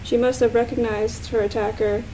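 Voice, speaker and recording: A woman's voice: a little high, flat delivery, moderate pace, dark tone, close to an everyday voice, rough recording. A woman playing a composed, probing police inspector in an amateur radio-style mystery. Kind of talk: amateur radio-play acting. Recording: faint background noise.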